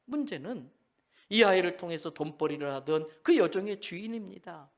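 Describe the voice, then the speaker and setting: A male pastor preaching a sermon, moving between hushed storytelling and loud exhortation. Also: sits high, lively intonation, moderate pace, gravelly.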